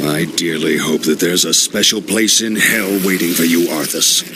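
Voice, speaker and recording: A defiant old paladin hurls scorn in a deep, rough voice. His indignation rises sharply as the orchestral score swells. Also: normal speed, background noise. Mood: contemptuous. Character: older male paladin, bitter and defiant. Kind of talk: video game cutscene acting.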